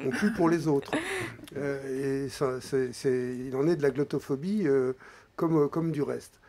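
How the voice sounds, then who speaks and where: A man in his forties, a guest in a radio studio, explaining at a measured, hesitant pace and often trailing off quietly. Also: mid-range voice, steady tone, crowd noise. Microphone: studio microphone, wearing headphones.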